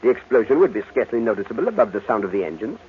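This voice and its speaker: Shrewd, fussy sleuth, French accent, swooping theatrical delivery; muffled, noisy vintage radio. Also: male voice, lowish voice, very animated. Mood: grave, musing. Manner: theatrical, deliberate, peppered with French exclamations. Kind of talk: old-time radio drama acting.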